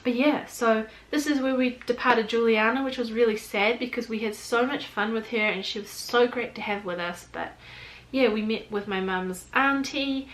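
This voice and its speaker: A woman's voice: fairly high pitch, steady tone, normal speed, a bit bright, poor audio. Chatty young New woman vlogging. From New Zealand. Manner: chatty, rambling, full of "like" and "um". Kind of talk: casual storytime chat.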